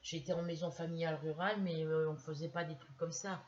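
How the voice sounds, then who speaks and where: A woman's voice: sits low, fairly even intonation, fairly quick, darkish tone, highs cut off, slight background noise. Chatty grandmother showing a haul. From France. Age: middle-aged. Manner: chatty, hesitant, many restarts. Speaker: craft vlogger. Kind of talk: casual haul video.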